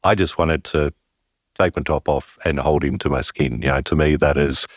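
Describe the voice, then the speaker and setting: A father with a deep, resonant voice, talking through parenthood in an interview, thoughtful and halting as he searches for words. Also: no echo, clean studio sound. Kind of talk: reflective interview conversation.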